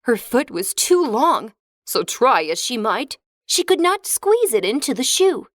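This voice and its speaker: A woman's voice: fairly high pitch, unhurried, no echo, clean studio sound. Woman reading a children's story. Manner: clear, expressive, even reading. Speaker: narrator. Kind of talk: scripted storybook narration for children.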